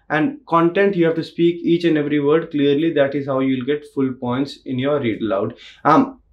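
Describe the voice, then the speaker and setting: A man in his thirties with an Indian accent, tutoring test takers in a steady, reassuring way that repeats the key points, recorded in a small home studio. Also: a little high. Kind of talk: instructional talk to camera.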